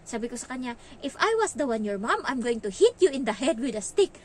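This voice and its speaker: Filipina nanny, candid chatty vlogger, fairly high voice, slight background hum. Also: female voice. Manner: candid, chatty, mixes in English phrases. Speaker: nanny in Hong Kong. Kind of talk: casual storytelling vlog.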